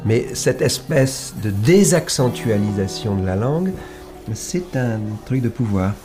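A man with a neutral Île-de-France French accent, speaking as an author guest in a reflective conversation. He is thoughtful and halting, and his emphasis rises and falls sharply. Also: medium pitch, lively intonation, loud music behind the voice. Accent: standard Île-de-France French. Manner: thoughtful and halting, with wide swings in loudness and emphasis.

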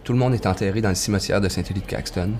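Folksy Québécois man, low voice. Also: very fast, darkish tone, faint music behind. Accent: Québécois French. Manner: easygoing and folksy, with loose fillers and tags. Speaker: storyteller guest. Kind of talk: casual conversation.

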